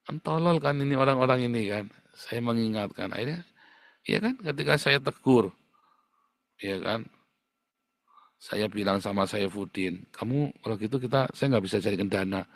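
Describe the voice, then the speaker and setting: A man preaching a livestream sermon as pastor, blunt and scolding, with sudden jumps to a high pitch for emphasis. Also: expressive, moderate pace, vocal fry, pauses often, no echo.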